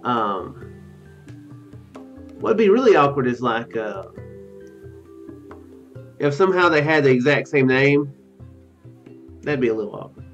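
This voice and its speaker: With a medium-pitched, sing-song voice, he talks unhurriedly and pauses often. The young video game streamer reads game text aloud and wanders into joking asides in casual let's play commentary, recorded indoors in a small room at home on a dull lo-fi mic over game music.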